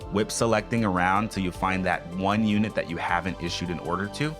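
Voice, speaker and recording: Scathing low-voiced man reviewing games. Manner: scathing, sarcastic critique; blunt, profane. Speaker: video game reviewer. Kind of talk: scripted video review narration.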